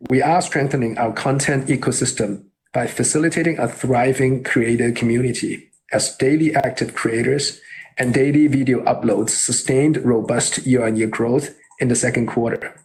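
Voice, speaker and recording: A man reading a scripted earnings call presentation as a company executive, in a formal and measured way. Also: medium pitch, fairly even intonation, a little mellow, poor audio.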